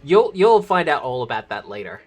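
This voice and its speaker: A man's voice: mid-range voice, very animated, brisk, over music. A man as game master, recapping the last tabletop session in a chatty way with laughing asides.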